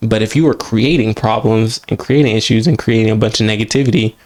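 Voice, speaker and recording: A man's voice: on the low side, fast, a little mellow. A man co-hosting a podcast, speaking in an earnest, emphatic, reflective way in casual chat. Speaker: podcast co-host.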